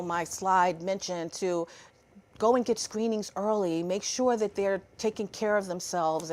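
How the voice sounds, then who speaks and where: Chatty woman hosting an interview. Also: medium pitch. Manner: warm, chatty, encouraging. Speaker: host. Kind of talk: interview conversation.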